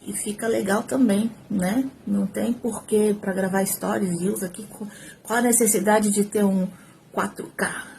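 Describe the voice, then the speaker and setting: A woman's voice: medium pitch, measured pace, vocal fry, slight background noise. A woman with a Brazilian Portuguese accent, a former TV reporter, giving a casual, talkative tutorial to her phone camera at home. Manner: talkative, animated, gestures while speaking. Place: at home, indoors. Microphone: phone, front camera.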